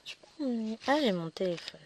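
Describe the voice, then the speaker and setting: A slightly hoarse woman chatting casually as she stitches, correcting herself as she goes and often dropping to a whisper. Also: on the high side, lively intonation, brisk, a little mellow, a little hiss or hum. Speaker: cross-stitch vlogger. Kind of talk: casual chat while stitching.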